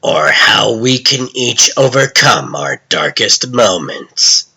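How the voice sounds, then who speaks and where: Guy doing a menacing dark vigilante narrator for a comic dub, gravelly and real slow, kinda sharp edge. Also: low voice, full character voice, rough recording. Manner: slow, ominous storytelling with dramatic pauses.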